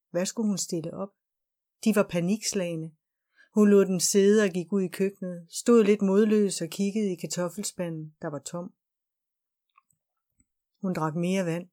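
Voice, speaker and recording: A woman reading a novel aloud as an audiobook narrator, calm and even. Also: mid-range voice. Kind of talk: scripted narration.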